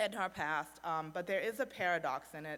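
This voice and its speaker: A woman with a German accent speaks at a moderate pace in a bright, sharp tone. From Germany. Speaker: congregant sharing a personal reflection. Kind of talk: personal reflection in a worship service.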